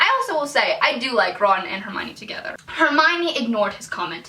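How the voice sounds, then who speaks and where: Over noticeable background noise, a woman's raised, projected voice moves at a fairly quick pace with very wide pitch swings. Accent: American. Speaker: YouTuber reading her old fanfiction. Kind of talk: reading aloud with commentary.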